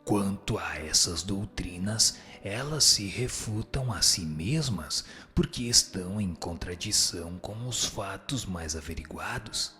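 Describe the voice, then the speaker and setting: Deep, slow, solemn spirit teacher, played by a man. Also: lively intonation, pushed and bright, soft background music, heavily acted. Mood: solemn, instructive. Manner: solemn, measured, didactic. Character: grave male spirit teacher, solemn and admonishing. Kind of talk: scripted audio drama reading of a spiritual text.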